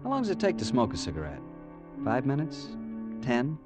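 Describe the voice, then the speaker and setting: A man's voice: mid-range voice, wildly swooping pitch, normal speed, loud music behind the voice. An actor playing a young man narrating his growing fear in 1940s radio acting style. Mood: tense. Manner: narrates tensely, growing panicky.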